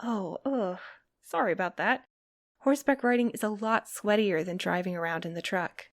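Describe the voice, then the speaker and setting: A woman's voice: medium pitch, moderate pace, dry recording, clean studio sound, lightly acted. A woman playing a sweet, earnest, easily flustered young courier in an audio drama. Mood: embarrassed. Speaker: voice actor.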